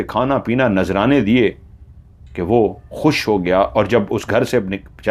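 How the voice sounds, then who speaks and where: A man narrating a horror story in a dramatic storytelling manner. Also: fairly low pitch.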